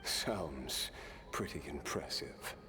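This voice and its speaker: A man playing a weary, stoic immortal warrior in a video game, speaking in a measured, wry way. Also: rumbling low, animated, music in the background, heavily acted. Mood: wry, resolute. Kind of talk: scripted game character dialogue.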